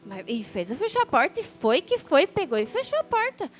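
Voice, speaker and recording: Woman, high lively voice, storytelling sermon, soft music behind. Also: fairly quick. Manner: animated storytelling, acts out quoted voices. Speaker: preacher. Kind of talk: personal testimony sermon.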